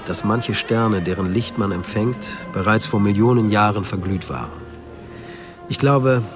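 A man acting a sober friend recounting events in a radio play. His voice is low and reflective, with music playing clearly behind him. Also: lightly acted. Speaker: actor narrating as a character. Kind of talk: first-person radio drama narration.

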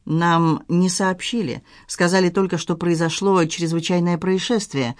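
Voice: medium pitch, steady tone, unhurried, dry recording, clean studio sound, lightly acted. A reader voicing a dutiful male police officer who talks formally and a little apologetically in an audiobook. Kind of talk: audiobook dialogue reading.

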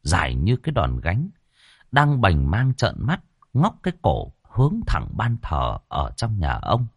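A man telling a dramatic story with vivid, expressive narration. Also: low-pitched, unhurried, slightly rough, dry recording, clean studio sound.

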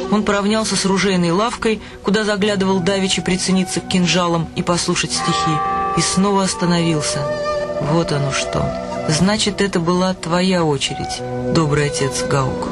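A man reading scripted literary narration in a radio play. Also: sits high. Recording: clear music behind the voice. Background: music.

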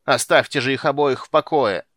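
A man voicing a cranky old male sorcerer who shouts and scolds in a shrill, petulant voice. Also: huge pitch swings, normal speed, dry recording, studio quality. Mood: ranting.

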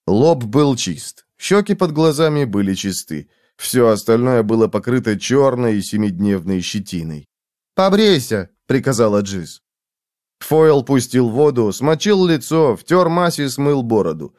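A man reading a novel aloud as an audiobook narrator, dramatic and expressive. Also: mid-range voice, no echo, studio quality. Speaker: audiobook reader. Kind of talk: scripted narration.

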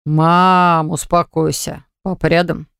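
A woman's voice: low voice, level tone, takes it slowly, vocal fry, fairly bright tone, clean tone, dry recording, studio quality, heavily acted. A woman voicing an adult son who answers his mother curtly and in a businesslike way. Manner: curt, evasive, businesslike.

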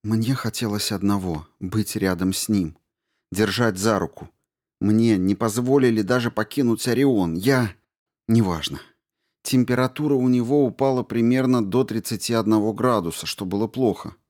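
Guy reading an audiobook, low voice, calm steady pace. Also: moderate pace. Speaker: audiobook narrator. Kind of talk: scripted narration.

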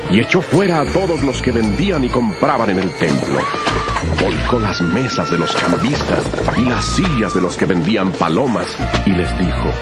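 Low, lively male scripture narrator. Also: normal speed, loud music behind the voice.

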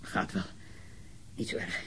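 An actor playing a disturbed, self-righteous male murder suspect full of loathing in a radio crime drama, speaking in a halting, repetitive way with a husky, breathy voice. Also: bright, forceful tone, a little hiss or hum. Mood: drained, evasive.

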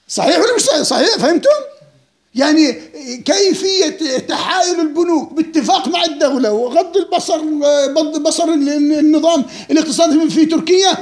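A man's voice: very high-pitched, brisk, roomy sound. A man giving an informal lecture, mocking and laughing often and quizzing his listeners. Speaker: lecturer leading a book discussion.

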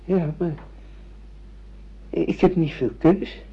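A man's voice: a little high, fairly even intonation, takes it slowly, gravelly, husky, full character voice. An actor in a radio play playing a middle-aged father with memory loss, hesitant, questioning and earnest. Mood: searching, unsure. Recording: dull lo-fi radio play recording.

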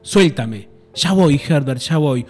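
A man voicing a desperate grieving older mother who cries out in a shrill voice, in a read-aloud horror story. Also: expressive, takes it slowly, faint music behind. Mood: frantic.

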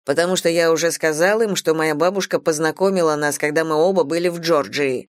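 A man's voice: on the high side, brisk, no room sound, clean studio sound, close to an everyday voice. A woman reading an audiobook voices a blunt, demanding young businessman who gives orders. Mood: curt. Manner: blunt, commanding.

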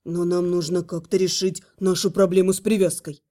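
A woman voicing gloomy, fretful young male dragons in a lowered, brooding voice. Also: little pitch movement, moderate pace, warm tone, lightly acted. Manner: low brooding put-on male voice.

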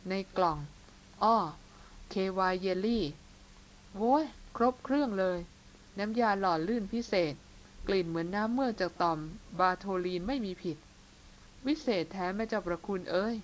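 A woman voicing an excitable young male army officer who talks in a boisterous, laughing, crude way. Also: mid-range voice, normal speed, a little hiss or hum, lightly acted, low-quality recording. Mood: gleeful.

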